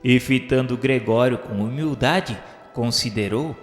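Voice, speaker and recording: A man's voice: mid-range voice, measured pace, close to an everyday voice. A man narrating a scripted radio drama in the role of storyteller. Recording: echoey hall reverb with music behind.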